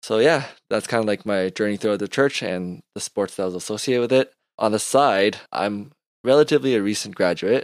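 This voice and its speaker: Recorded with a dry, close sound and no echo, a man in a normal speaking voice talks at a fairly quick pace, his fairly low pitch showing ordinary variation. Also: very clean recording, silent background. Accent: Canadian. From Scarborough, Toronto, Canada. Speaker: church basketball team coach. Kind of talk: casual chat.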